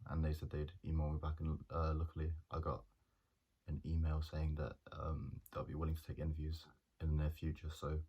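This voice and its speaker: A young man, a journalism student talking through his plans in a hesitant, monotone way with many pauses and restarts. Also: a bass voice, breathy edge. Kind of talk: casual reflective monologue.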